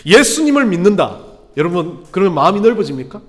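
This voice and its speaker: A man's voice: high voice, sing-song, fast, fairly bright tone. A male pastor in his thirties preaching a sermon, telling stories with self-deprecating humor and building to emphatic exclamations. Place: church sanctuary. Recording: long church hall reverb.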